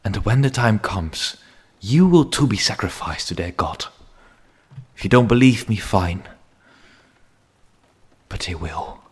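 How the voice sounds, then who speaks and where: A man playing a grim, menacing vampire hunter in an ASMR roleplay, speaking slowly and solemnly in a husky voice that often sinks into a whisper. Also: lowish voice, animated, heavily acted. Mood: scornful urgency. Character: grim male vampire hunter, menacing yet pleading captor. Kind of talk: ASMR roleplay, dramatic monologue.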